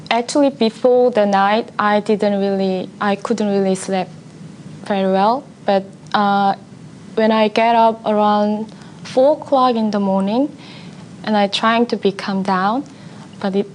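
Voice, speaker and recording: A young woman with a Korean accent, a nursing student speaking English as a second language, telling about her first hospital placement in halting sentences with many pauses for words. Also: mid-range voice, darkish tone, slight background noise. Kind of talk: personal account for a university video.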